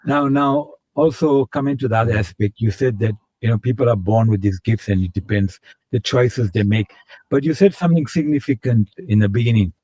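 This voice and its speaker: A man co-hosting a talk show, putting measured, probing questions to the guest. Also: mid-range voice, mellow, dry recording, low-quality recording. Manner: measured, inquiring. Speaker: co-host. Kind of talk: interview questions.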